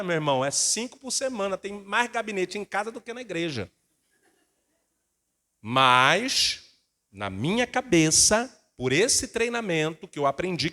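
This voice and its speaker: A middle-aged male pastor preaching a sermon, acting out family members' voices in lively bursts. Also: on the high side.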